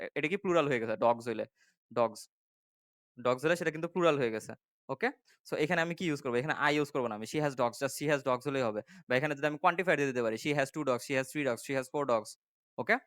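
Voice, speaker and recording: A man's voice: on the high side, fairly bright tone, no room sound, studio quality. A man tutoring English grammar step by step, often checking that listeners follow. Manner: explains step by step, often asking "ঠিক আছে?" to check understanding. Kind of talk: classroom-style grammar lesson.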